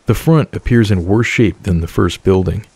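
A man narrates in a calm, measured voice-over, walking the listener through an abandoned house. His voice sits fairly low and has a dark, mellow tone. The delivery is steady and scripted. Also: husky, dry recording. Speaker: urban exploration narrator.

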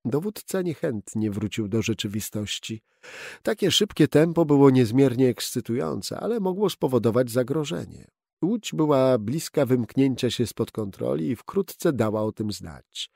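Gravelly, lively male audiobook narrator. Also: medium pitch, normal speed, dry recording, clean studio sound. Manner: steady, expressive storytelling. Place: dry studio booth. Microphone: close studio mic.

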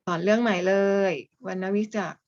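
A woman's voice: medium pitch, brisk. Woman teacher lecturing, slightly dull recording. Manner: explains step by step, adds "na kha" often. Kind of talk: online class lecture.

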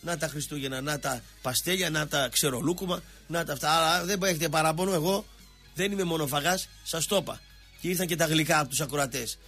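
A man's voice: fairly high pitch, bright, forceful tone, breathy edge, soft background music. A middle-aged man, hosting a radio show with a sarcastic, rambling satirical rant. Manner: sarcastic, ranting, mocking voices. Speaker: radio sports show host.

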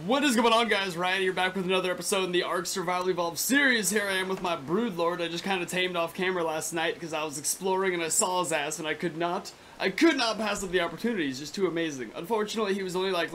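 A young man from California with a raspy, sore throat, giving excitable, foul-mouthed gameplay commentary. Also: sits high, fast talker, a little hiss or hum. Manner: excitable, swears freely. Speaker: gaming YouTuber.

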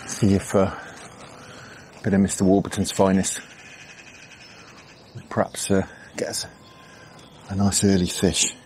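Deep-voiced man chatting on a canal bank. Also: a little slow, pauses often, slight background noise. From England. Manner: relaxed, chatty, thinks aloud with fillers. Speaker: angling vlogger. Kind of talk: casual commentary while fishing. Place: outdoors on a canal bank at dawn. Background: birdsong and insects.

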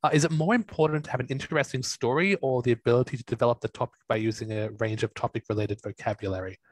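Guy moderating a zoom webinar, talks super fast, a bit husky, dry sound. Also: medium pitch, no echo. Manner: upbeat, effusive. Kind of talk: reading audience questions. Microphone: video call.

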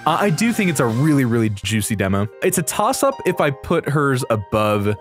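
A man's voice: medium pitch, big pitch swings, a little fast. A young man giving casual, crude reaction commentary in a gushing, playful, slangy way, swearing freely. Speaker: video game reaction and ranking host. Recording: music behind the voice. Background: game trailer music.

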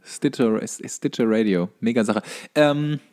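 A man's voice: mid-range voice, a little slow, darkish tone. A man chatting casually as a podcast host, in a joking, self-deprecating way.

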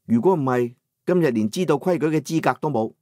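A man with a Cantonese accent narrating a first-person novel as an audiobook, in a steady descriptive storytelling manner. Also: on the high side, fairly quick, dry recording, clean studio sound.

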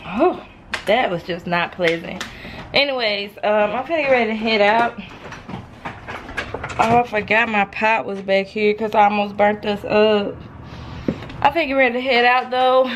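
A woman's voice: mid-range voice, moderate pace, pauses often, noisy background. A woman in her twenties vlogging casually to camera, chatty and unfiltered, filming on a handheld phone at home and then in her car. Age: 20s. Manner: chatty, unfiltered, talks straight to viewers. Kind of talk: casual vlog rant to camera.

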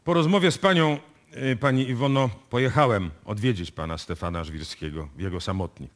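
An actor playing a shrewd, self-assured police inspector in a radio play, explaining deliberately and with authority. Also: male voice, lowish voice, lightly acted. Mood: sly, assured. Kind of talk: live radio play acting.

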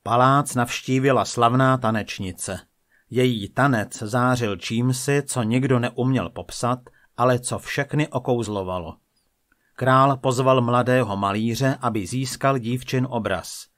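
A man reading short tales and fables aloud in a calm storytelling manner. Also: dry recording, studio quality. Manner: calm storytelling, voices characters with small pitch shifts.

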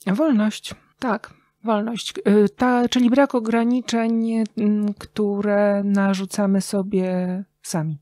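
A middle-aged woman talking casually and reflectively as a podcast guest, telling stories expressively with thoughtful pauses. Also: medium pitch, little pitch movement, mellow, dry recording. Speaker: interview guest, radio journalist and writer.

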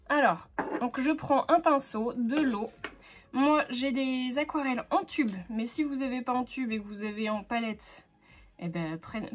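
A woman hosting a casual scrapbooking tutorial, chatty and full of fillers and self-corrections. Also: on the high side.

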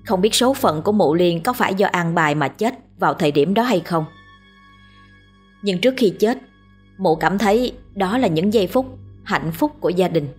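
A woman narrating a scripted village ghost story in a steady, measured way. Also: lowish voice, slightly rough.

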